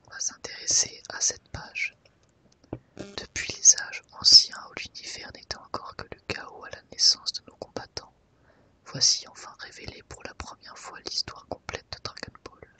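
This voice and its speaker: With the mic set a little to the side, a woman presents an ASMR video in a breathy, soft whisper. She chooses her words carefully and speaks gently, never rushing.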